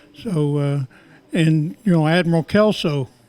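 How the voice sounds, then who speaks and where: This man's voice sits at a fairly high pitch with ordinary pitch variation, and noticeable noise is in the background. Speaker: navy veteran. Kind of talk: interview.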